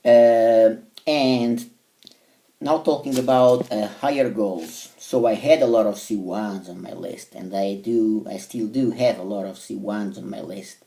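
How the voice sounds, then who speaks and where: Man, Portuguese accent, native Portuguese speaker, hesitant with many fillers, warm dark tone, a bit off-mic. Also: on the low side, measured pace, gravelly, recorded from a distance. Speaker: language learner vlogger. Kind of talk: casual monologue to camera.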